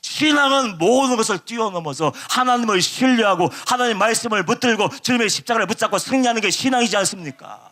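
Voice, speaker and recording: Male pastor, impassioned sermon, high-pitched, forceful bright tone. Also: animated, fast, few pauses. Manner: impassioned preaching, acts out shouted pleas.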